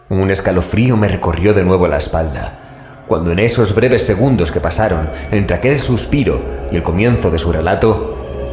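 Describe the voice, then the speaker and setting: Casting: brooding investigator-narrator for horror radio play, low voice, measured delivery, music underneath. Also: male voice, a little mellow, roomy sound. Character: male investigator narrating an eerie tale, uneasy. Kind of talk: scripted horror audio drama narration.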